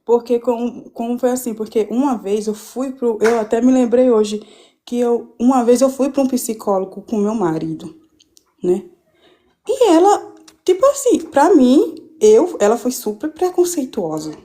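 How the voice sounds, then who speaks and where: Woman, mellow warm voice, fervent rambling testimony, restarts a lot, live stream from home. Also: on the high side, normal speed. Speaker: guest giving a church testimony.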